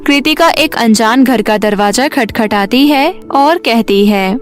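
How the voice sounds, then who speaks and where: High-pitched woman narrating a story. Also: takes it slowly. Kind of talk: scripted children's story narration. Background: background music.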